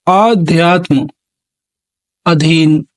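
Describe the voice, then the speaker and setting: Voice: medium pitch, very slow, dry recording. A Hindi exam-prep teacher working through multiple-choice spelling questions, reading each option aloud, repeating words and naming the right answer. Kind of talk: classroom lesson on spelling questions.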